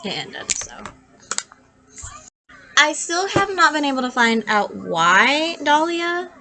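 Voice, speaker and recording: A woman's voice: high-pitched, sing-song, slow, background noise. A woman with a congested, nasal, sick-sounding voice tells a true crime case to camera in a chatty, blunt, opinionated way, sounding like it hurts to talk. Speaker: true crime video host. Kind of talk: casual storytelling to camera.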